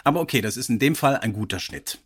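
A man's voice: medium pitch, animated, fast, slightly rough. A man co-hosting a podcast, chatting casually and reflectively about audio dramas. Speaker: podcast co-host.

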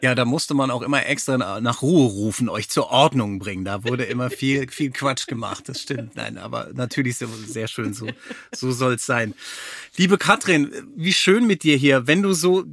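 Casting: male host, average pitch, casual chat style, close dry studio acoustic. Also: moderate pace, vocal fry, fairly bright tone, dry recording. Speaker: podcast host. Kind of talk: casual conversational hosting.

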